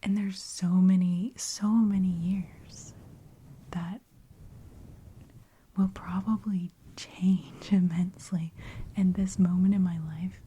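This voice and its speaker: Thirtysomething woman, gentle encouraging ASMR whisperer, slightly low voice, close mic. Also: flat delivery, slow, pauses often, breathy edge. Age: 30s. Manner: soft encouraging whisper with frequent fillers. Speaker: ASMR creator. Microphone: close studio mic with brushing.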